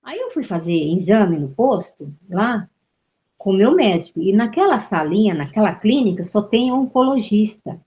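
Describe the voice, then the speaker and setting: Woman telling a story vividly, mellow and muffled. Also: medium pitch, big pitch swings, moderate pace. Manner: vivid storytelling, acts out quoted voices, repeats words. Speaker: interview guest, sensitive. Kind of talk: storytelling in an interview.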